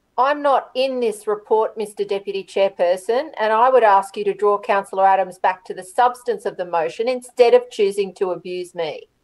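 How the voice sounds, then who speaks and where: Speaking with an Australian accent, a woman with a fairly high pitch and ordinary pitch variation keeps a moderate pace with hardly any pauses. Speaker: city councillor. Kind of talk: council debate. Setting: council chamber. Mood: assertive, procedural objection. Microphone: video call.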